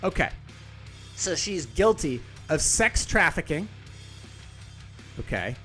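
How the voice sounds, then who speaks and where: A man hosts a podcast in a loose, sarcastic way, cursing freely and correcting himself as he reads. His voice sits a little higher than most men's. Soft music plays faintly under him. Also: very animated, slow pace. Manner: sarcastic, profane, rambling with self-corrections. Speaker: podcast host. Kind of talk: casual commentary, reading an article aloud.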